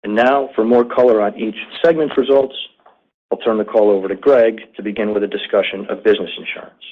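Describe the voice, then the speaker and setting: A man giving a formal, scripted financial presentation as a company executive on an earnings call, with measured delivery of figures. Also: on the low side, steady tone. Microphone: conference call line. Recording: narrow tinny phone-line sound.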